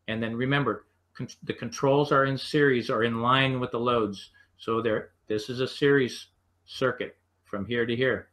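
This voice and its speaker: American man teaching, halting explanatory delivery. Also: medium pitch, fairly even intonation, fairly bright tone. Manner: explanatory, halting, stepwise phrasing. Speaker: HVAC instructor. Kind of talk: unscripted slide lecture.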